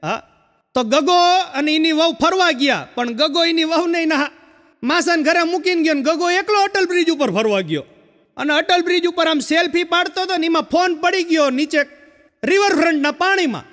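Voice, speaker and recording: A male comedian telling a long stage joke and chanting parts of it in a lower voice. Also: moderate pace, fairly bright tone, in a large hall.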